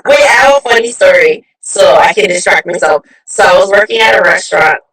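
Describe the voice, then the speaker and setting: A woman from Hawaii hosting a chatty live interview, bubbly and quick to laugh, on her phone. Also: lowish voice, expressive, fairly bright tone. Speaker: show host. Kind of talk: casual live-stream interview. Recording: distant phone mic.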